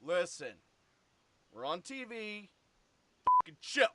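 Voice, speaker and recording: A man's voice: sits high, big pitch swings, takes it slowly, noisy background, exaggerated voice. A man playing a hard-drinking young party-bro soldier in a cartoon, slangy, crude and dramatic. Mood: hungover annoyed.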